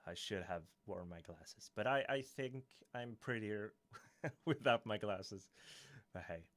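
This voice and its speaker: A man's voice: lowish voice, takes it slowly, fairly bright tone. A man from Sweden with a Swedish accent, speaking English as a second language, hosting a casual live-stream Q&A and reading out viewer comments, hesitant and full of restarts. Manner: hesitant, many restarts and fillers, chuckling often.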